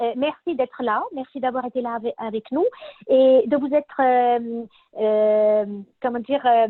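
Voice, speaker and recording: A woman with a high pitch talks at a very slow pace, with ordinary pitch variation. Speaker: webinar speaker on diversity. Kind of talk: webinar talk. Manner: hesitant, many fillers.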